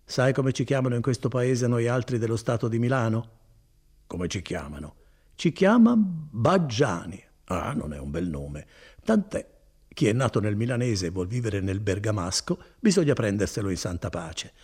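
A man voicing a chatty, good-hearted older male cousin, a foreman, in an animated folksy manner with chuckles. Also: medium pitch, normal speed, close to an everyday voice.

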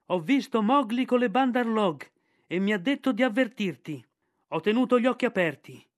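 A man doing a shrill shouting kite. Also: expressive, normal speed, no room sound, studio quality. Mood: urgent. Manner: calling loudly from above. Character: shrieking kite bird, male, urgent messenger.

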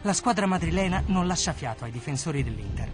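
High-voiced male narrator over loud music. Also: animated, quick pace. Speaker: documentary narrator. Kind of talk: scripted narration.

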